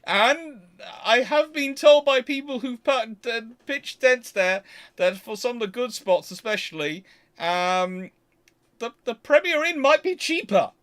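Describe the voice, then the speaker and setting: A British man hosting a casual question-and-answer livestream, talking in a rambling, halting way and often repeating and rephrasing himself. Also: very high-pitched, animated, fairly bright tone.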